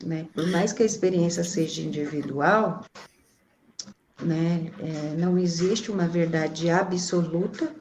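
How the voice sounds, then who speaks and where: A woman's voice: lowish voice, measured pace, darkish tone. A woman, thoughtfully recounting her experiences as an interview guest. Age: 40s. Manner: reflective, many fillers like "né" and "assim". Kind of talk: casual conversational interview. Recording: faint background noise.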